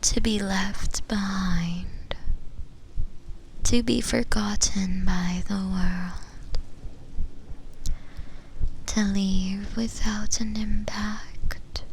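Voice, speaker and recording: A woman voicing a lonely, yearning shadow demon in a breathy, hesitant whisper, as an intimate ASMR roleplay. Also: mid-range voice, fairly even intonation, a little hiss or hum. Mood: fearful, lonely. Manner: hesitant, drawn-out, pausing between phrases.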